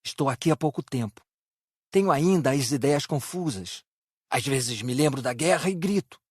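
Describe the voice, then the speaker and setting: A man playing a humble, resigned former soldier's spirit in a dramatised audiobook, husky and plainly confessional. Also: mid-range voice, lively intonation, moderate pace, no echo, studio quality. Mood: grateful.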